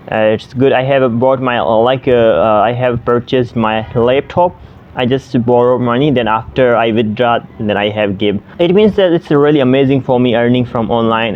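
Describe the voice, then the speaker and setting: A man's voice: mid-range voice, highs cut off. A man in his twenties from Pakistan, a native Sindhi speaker, talking casually to the camera as an online language tutor, with many fillers and restarts. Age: 20s.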